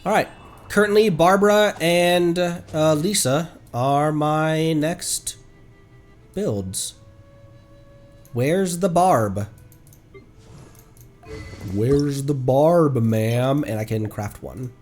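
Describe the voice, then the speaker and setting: A man's voice: a little high, very slow, pauses often, a little mellow. A man livestreaming a video game with casual, rambling commentary, thinking aloud as he plays. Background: video game music.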